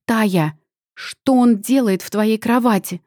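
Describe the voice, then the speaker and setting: A woman's voice: mid-range voice, a little slow, mellow, dry recording, clean studio sound, natural voice. A woman reading an audiobook, voicing a hysterical middle-aged mother who screeches accusations in a trembling voice. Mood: shrill outrage.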